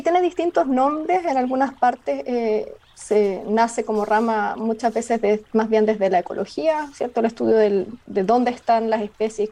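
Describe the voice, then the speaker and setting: A young woman with a Chilean accent speaks in a fairly high but soft, mellow voice. She talks thoughtfully, often pausing with fillers and restarting her sentences. She sounds like a scientist answering a radio interviewer. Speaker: biologist guest.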